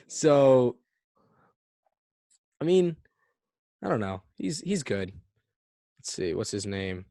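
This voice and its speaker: A man hosting a loose podcast conversation, cracking jokes and swearing freely. His voice sits at an ordinary pitch and sounds dry, with no room around it. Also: very animated, very slow, pauses often, dark tone, dry recording. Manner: joking, profane, rambling. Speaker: podcast host. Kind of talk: casual podcast chat.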